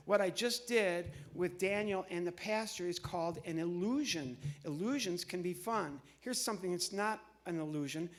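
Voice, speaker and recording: A middle-aged American man from the Midwest doing live comedy patter on stage, chatty and halting, often interrupting himself. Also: high-pitched, a little hiss or hum. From Midwestern United States. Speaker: comedian and entertainer. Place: on stage in a large church hall.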